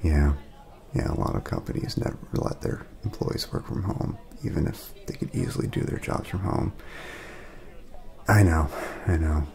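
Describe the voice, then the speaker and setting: A man speaking softly in a casual ASMR roleplay, laid-back and friendly, chatting as if to a friend. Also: extremely low pitch, moderate pace. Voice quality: soft, breathy at times, creaky.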